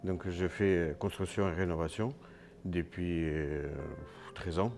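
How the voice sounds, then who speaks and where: Deep-voiced man with an Italian accent. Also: fairly even intonation, a little mellow, a little hiss or hum. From Italy. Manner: halting, many pauses. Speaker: guest. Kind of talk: casual interview chat.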